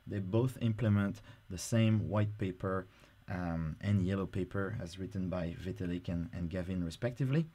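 A man talking through a software install on screen in a casual, explanatory way, with frequent fillers. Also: sits low, normal speed, hardly any pauses. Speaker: software tutorial presenter. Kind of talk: screen-recorded software tutorial.

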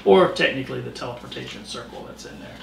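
Male game master, gravelly voice, rambling scene narration, echoey room. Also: medium pitch, quick pace, noisy background. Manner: loose descriptive narration with many fillers. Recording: roomy distant recording.

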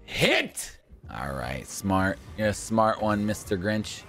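A young man hosting a gaming video, talking at a home desk mic in excited banter, laughing often and shouting when thrilled. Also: on the low side, slow pace, soft background music. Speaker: gaming channel host. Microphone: webcam and desk mic.

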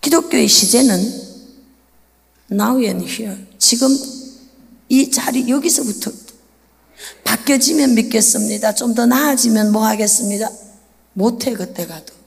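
A woman's voice: a little high, a little slow, gravelly, pauses often, breathy edge. Storytelling woman pastor in a reverberant hall. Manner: lively storytelling with acted-out prayers, swings from soft asides to shouts. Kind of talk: early-morning sermon. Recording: long church-hall reverb.

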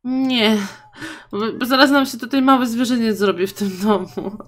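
A young woman casually commenting on her life-simulation game, chatting to her sims and her viewers and going high and loud when surprised. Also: fairly even intonation, moderate pace. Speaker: gaming YouTuber. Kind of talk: casual let's-play commentary.

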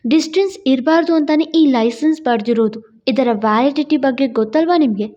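A woman's voice: high-pitched, brisk, dark tone, lo-fi sound, close to an everyday voice. A woman voicing an earnest young wife pleading with her husband in a storybook drama, in a coaxing, confident way.

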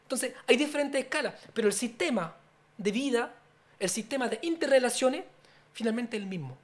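A middle-aged man, born in Chile and raised in France, speaking as a politician guest in a studio interview, earnest and explanatory with many fillers and restarts, into a boom-mounted studio mic. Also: expressive, fairly quick. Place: small TV-radio studio. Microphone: studio mic on boom arm.

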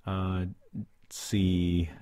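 A man's voice: deep voice, flat delivery, extremely slow, dark tone, dry recording. A middle-aged man hosting a fishing podcast, recapping a trip in a rambling way with many fillers and restarts, close to a studio microphone. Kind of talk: casual solo podcast recap. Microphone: studio condenser mic on stand, close.

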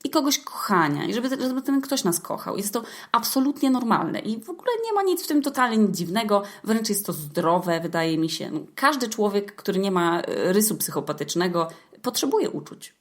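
A woman's voice: medium pitch, sing-song, moderate pace, hardly any pauses. A young woman hosting a podcast as a chatty, colloquial, playful monologue with some mock drama. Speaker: podcast host. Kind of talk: casual humorous monologue to listeners.

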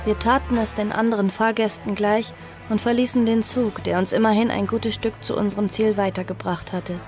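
A woman playing a young survivor who tells her own story in an audio drama, earnest, sorrowful and measured. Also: mid-range voice, fairly even intonation, a little mellow, faint music behind, natural voice. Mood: measured, wistful. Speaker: narrator and protagonist. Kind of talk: audio drama first-person narration.

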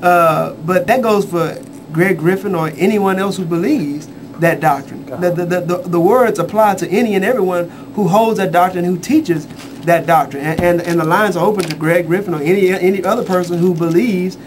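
A man's voice: sits high, moderate pace. Earnest man teaching over studio noise. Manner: repetitive restarts, earnest. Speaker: minister on a church radio show. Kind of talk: radio Bible teaching. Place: small radio studio. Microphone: handheld mic.

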